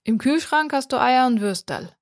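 A woman voicing a talkative, matter-of-fact frying pan from Bavaria in an audiobook story, with a creaky edge. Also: high-pitched, expressive, moderate pace, no echo, studio quality. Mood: plain, chatty. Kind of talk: audiobook reading.

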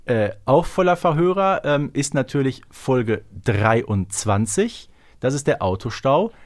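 A man with a mid-pitched voice chats as a podcast co-host. His intonation is lively and swings widely, in a casual conversational style. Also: a little slow, no room sound. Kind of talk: casual chat.

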